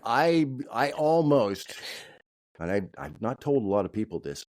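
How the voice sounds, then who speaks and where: A man from Kansas co-hosting a podcast, telling stories in a halting way with many restarts. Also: fairly low pitch, very animated, darkish tone, no room sound, clean studio sound. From Kansas, USA. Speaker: podcast co-host. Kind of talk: casual podcast chat.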